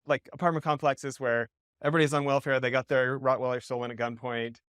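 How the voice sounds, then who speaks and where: A man's voice: mid-range voice, little pitch movement, fast talker, fairly bright tone, clear, resonant tone, no echo, studio quality. A man from Western Canada hosting an interview, asking rambling questions full of restarts and fillers. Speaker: podcast host. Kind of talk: casual interview.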